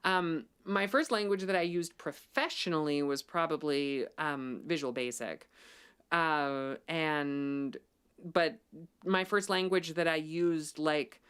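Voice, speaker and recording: A woman's voice: low-pitched, slow, fairly bright tone, clear, resonant tone. A woman hosting a casual livestream, chatty and full of ums, growing emphatic when she argues a point. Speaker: livestream host.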